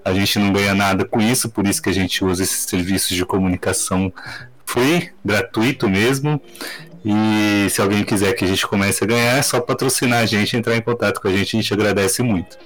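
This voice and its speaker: Male podcast host, low voice, casual and rambling, mic overloaded and clipping through a video call. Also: brisk. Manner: relaxed, rambling, filler-heavy. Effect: clipping, distorted mic audio.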